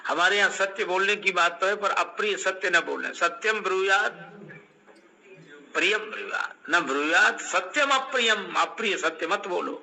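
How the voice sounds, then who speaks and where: A man's voice: high-pitched, animated, normal speed, gravelly, sharp tone, low-quality recording. An older man giving a devotional sermon, telling scripture stories, acting out quoted dialogue and breaking into chanted verse. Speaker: Ram Katha preacher.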